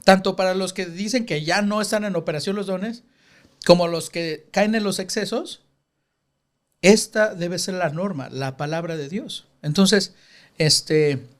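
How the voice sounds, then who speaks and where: A man hosting a Christian podcast, explaining scripture earnestly in a casual chat. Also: on the high side. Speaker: podcast host.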